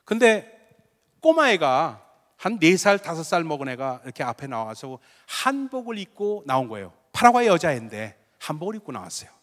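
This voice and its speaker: A man's voice: very animated, a little fast. Preaching man with big swings in volume. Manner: storytelling, swings from loud bursts to low asides. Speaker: pastor. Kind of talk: sermon. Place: large church sanctuary. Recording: long hall reverb.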